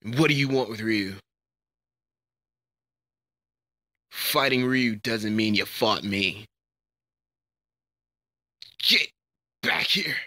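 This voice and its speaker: A man's voice: fairly low pitch, takes it slowly, long pauses, sharp tone, no room sound, clean studio sound. A man voicing a cocky, brash young martial arts fighter from a video game, with a taunting, swaggering delivery. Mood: grim, defiant. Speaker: amateur voice actor. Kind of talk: character voice demo, video game fighter lines.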